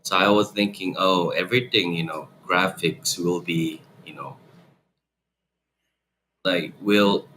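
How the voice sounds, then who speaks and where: A man answers interview questions. His voice is very low. He tells his story in an animated, loosely phrased way, over faint background noise. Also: slow, pauses often, poor audio. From South Korea. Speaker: company founder and guest.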